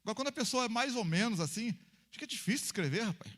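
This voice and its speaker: A man's voice: sits high, lively intonation, quick pace, a bit bright. A pastor preaching a conversational sermon in church, acting out little dialogues between people to make his point.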